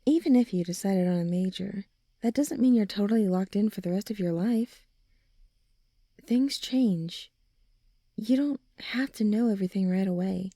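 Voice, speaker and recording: A young woman playing a supportive teenage girl in an ASMR roleplay, talking gently and informally as a caring best friend. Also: mid-range voice, normal speed, dry recording, clean studio sound, close to an everyday voice. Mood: reassuring. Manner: gentle, reassuring, informal, often sighing or softly laughing. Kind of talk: ASMR roleplay audio drama.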